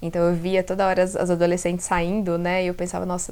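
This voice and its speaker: A woman's medium-pitched voice, dark and mellow, in a calm, relaxed tone. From interior of São Paulo state, Brazil (Limeira). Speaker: life coach, video creator. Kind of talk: casual vlog monologue.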